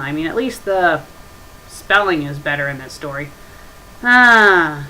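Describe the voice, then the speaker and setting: A woman's voice: mid-range voice, a bit bright. A woman casually reading aloud and critiquing as a web show host, blunt and nitpicking, recorded on a webcam microphone. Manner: blunt, nitpicking, mildly profane. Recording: noisy webcam microphone with ambient hiss.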